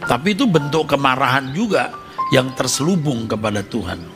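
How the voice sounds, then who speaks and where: An older man preaching a sermon as a pastor, addressing listeners directly and breaking into loud, high emotional cries when acting out prayers. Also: lively intonation, normal speed, creaky, music in the background.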